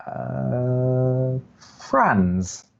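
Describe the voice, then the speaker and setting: The recording is a little dull and lo-fi. A man acts a prickly male college radio host in an audio romantic comedy, sounding dry and put-upon. He turns halting and awkward whenever he gets flustered. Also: mid-range voice, vocal fry. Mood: teasing, dry.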